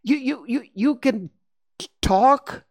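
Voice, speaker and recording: A man's voice: high-pitched, sing-song, unhurried, no echo, clean studio sound, pitched above the performer's own voice, heavily acted. A man voicing a nervous, polite young boy in a story, who stammers when frightened. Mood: scared.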